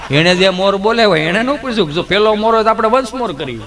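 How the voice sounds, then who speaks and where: A man voicing his nervous, wisecracking friend who answers in a deadpan, stammering way. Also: high voice, quick pace.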